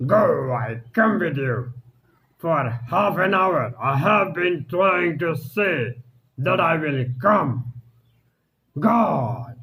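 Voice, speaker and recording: Old grump of a painter, gravelly, slow and loud; a man doing it. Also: on the high side, heavily acted, poor audio. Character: gruff old male painter, stubborn and loud.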